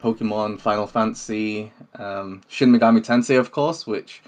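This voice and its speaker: A man's voice: fairly low pitch, steady tone, normal speed, darkish tone. A man, talking casually as an interview guest. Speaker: interview guest, game developer. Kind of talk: casual chat.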